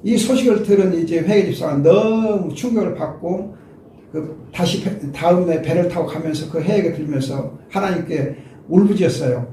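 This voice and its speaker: Older male pastor, high mellow voice, emphatic expository preaching, echoey room, set back from the mic. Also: normal speed, recorded from a distance, a little hiss or hum. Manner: emphatic preaching, addresses listeners directly. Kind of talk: expository sermon.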